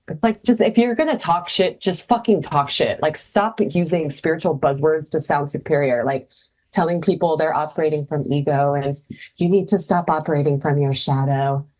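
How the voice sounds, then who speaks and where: A woman with a low voice co-hosts a casual podcast chat. She talks bluntly, swears freely and laughs often. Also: darkish tone. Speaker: podcast co-host.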